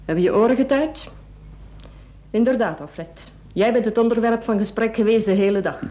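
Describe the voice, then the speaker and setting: An actress with a Flemish accent playing a cold, domineering, calculating wife in a radio play, commanding and clipped. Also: female voice, on the high side, moderate pace, warm tone, close to an everyday voice. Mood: pointed, sarcastic. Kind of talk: Dutch-language radio play acting.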